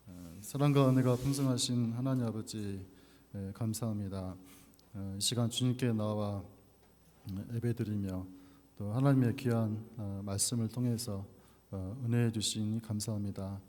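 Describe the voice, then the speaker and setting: A man's voice: on the low side, fairly even intonation, moderate pace, a little mellow. A man preaching as a pastor at a church service, speaking from the pulpit in an echoey hall. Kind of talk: sermon with scripture reading and prayer. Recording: echoey hall with long reverb.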